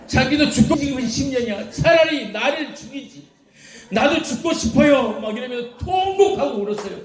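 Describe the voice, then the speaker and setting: Man, pastor, high voice, animated sermon, echoey church hall. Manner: animated storytelling with laughter, asks the congregation questions. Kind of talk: lively sermon.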